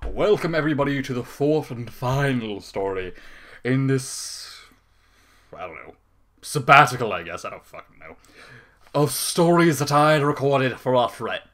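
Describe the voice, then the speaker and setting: Animated, bright-voiced man reading comic fiction. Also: medium pitch, normal speed. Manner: irreverent, sweary, theatrical. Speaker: narrator reading fan fiction. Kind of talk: comic story reading with casual asides.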